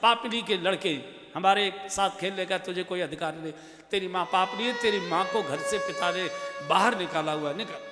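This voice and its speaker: A man's voice: sits high, moderate pace, lightly acted. A man voicing a young boy who harshly drives another child away. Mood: scornful. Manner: harsh, shouting insults. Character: boy sage's son, scornful bully. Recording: echoey hall with music behind.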